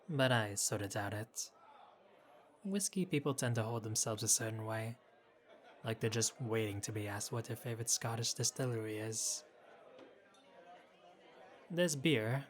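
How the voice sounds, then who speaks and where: A man's voice: lowish voice, close to an everyday voice. A man playing a flirty, easygoing bartender who teases and chats with a patron in an audio roleplay. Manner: playful, teasing, casual. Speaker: bartender character. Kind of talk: intimate audio roleplay, conversational acting.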